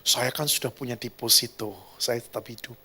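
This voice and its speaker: A man's voice: mid-range voice, steady tone, normal speed, bright, forceful tone. A man voicing a tearful, anxious woman who questions a pastor in a pleading, plaintive way. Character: tearful anxious middle-aged woman churchgoer. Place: church hall.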